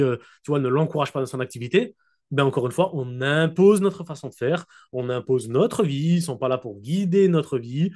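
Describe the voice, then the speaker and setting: A man coaching his network marketing team in a casual, direct motivational talk. He keeps checking that listeners follow him and slows down to dictate key points, speaking into a computer mic on a video call. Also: mid-range voice, a little mellow.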